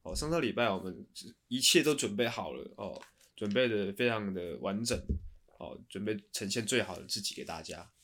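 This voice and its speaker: A man's voice: fairly low pitch, animated, normal speed, a bit bright. A man co-hosting a podcast in casual, friendly chat. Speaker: podcast co-host.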